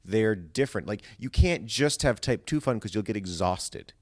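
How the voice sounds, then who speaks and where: A man's voice: lowish voice, expressive, moderate pace, darkish tone, no room sound, clean studio sound. A man talking casually as a podcast guest, explaining his ideas in a rambling, emphatic, philosophizing way. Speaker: podcast guest, stage actor.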